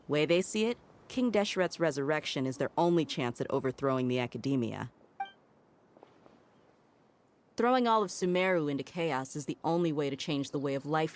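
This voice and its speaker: Low-voiced streetwise desert mercenary. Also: female voice. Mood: knowing, grave. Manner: folksy, self-assured, explanatory. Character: shrewd, streetwise female desert mercenary, confident and easygoing. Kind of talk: video game voice acting.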